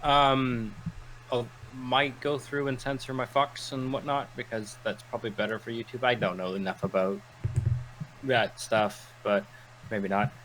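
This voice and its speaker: The audio is poor and carries slight background noise as a man with a medium-pitched, unhurried voice co-hosts a relaxed gaming podcast. He meanders through anecdotes, voicing quotes dramatically along the way.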